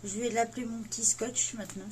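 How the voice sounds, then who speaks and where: A woman's voice: on the high side, fairly even intonation, brisk, background noise. A woman, chatting casually as she unboxes gifts, full of fillers and self-mocking asides. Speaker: coloring vlogger.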